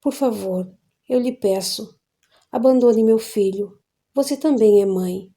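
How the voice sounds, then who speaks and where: A woman's voice: fairly high pitch, slow pace, warm tone. A woman reading an audiobook, voicing a worried older father who pleads earnestly for his son. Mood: pleading.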